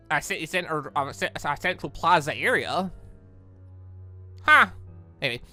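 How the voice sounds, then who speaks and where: Animated, bright-voiced man doing gaming commentary. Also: sits high. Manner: stammering, breaking off to comment. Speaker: gaming channel host. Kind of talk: let's play commentary, reading visual novel dialogue aloud and reacting.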